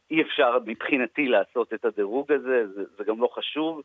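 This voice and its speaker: At a moderate pace, a man talks in a normal speaking voice of medium pitch. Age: 50s. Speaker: sports broadcaster. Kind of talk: casual chat.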